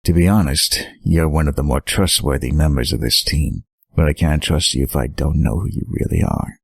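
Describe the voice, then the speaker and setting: A man playing an earnest, steady young Atlantean superhero in an audio drama, speaking calmly and supportively. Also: a bass voice, normal speed, gravelly, breathy edge, no room sound, studio quality, exaggerated voice. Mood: reassuring, sincere. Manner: calm, sincere, supportive.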